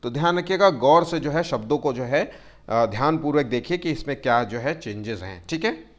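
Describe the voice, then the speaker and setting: A man teaching a Hindi grammar exam-prep lesson, constantly using fillers, checking in with his students and drawing words out slowly to spell them. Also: medium pitch, lively intonation. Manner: tells students to take care and keeps checking "theek hai".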